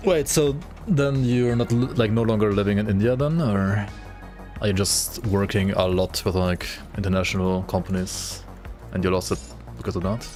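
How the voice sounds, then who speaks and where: A man's voice: fairly low pitch, steady tone, moderate pace, darkish tone, soft background music. A man streaming a game, chatting casually and rambling with his viewers as he thinks aloud. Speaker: gaming livestreamer. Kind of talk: casual chat with viewers while gaming.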